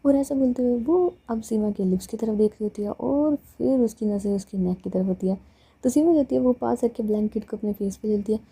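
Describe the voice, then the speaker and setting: A woman's voice: a little high, brisk, mellow, breathy edge. A woman narrating a love story in a plain, conversational storytelling manner.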